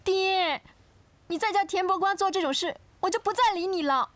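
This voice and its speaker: A gentle, innocent daughter, very high voice. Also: female voice, moderate pace. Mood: gentle questioning. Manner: soft and earnest, pleading. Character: gentle, innocent young woman who loves her father. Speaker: the father's daughter. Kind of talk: period martial-arts TV drama. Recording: TV drama with loud music score.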